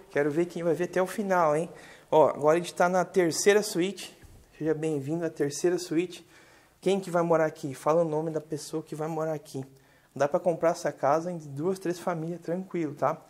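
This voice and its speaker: A man's voice: fairly high pitch, darkish tone. A man, a real estate agent giving a chatty, enthusiastic house tour, speaking to the viewers from inside the home. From southern Brazil. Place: large furnished house, indoors.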